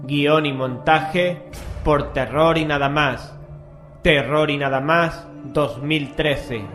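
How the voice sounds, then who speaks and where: A man's voice: on the high side, steady tone, slow pace, a bit bright, soft background music. A man reading scripted titles and credits as the announcer of a radio drama.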